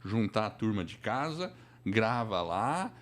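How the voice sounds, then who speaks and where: A man's voice: fairly low pitch, sing-song, takes it slowly. A man with a Brazilian Portuguese accent hosting a casual live interview, explaining things in a colloquial way. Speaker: podcast host and podcasting teacher.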